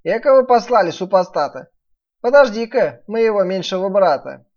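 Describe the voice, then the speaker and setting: A woman's voice: mid-range voice, animated, normal speed, darkish tone, close to an everyday voice. Storybook peasant trickster, a man played by a woman: brash, taunting, swooping intonation, dull sound. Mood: mocking. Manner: taunting, commanding. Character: cunning brash peasant workman, mocking and bossy. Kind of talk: dramatised fairy-tale reading.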